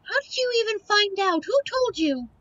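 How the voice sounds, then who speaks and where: A woman's voice: extremely high pitch, expressive, normal speed, fairly bright tone, dry recording. A woman playing a sweet but defiant young succubus daughter in a scripted audio roleplay, earnest and pleading, on a muffled recording. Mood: confrontational.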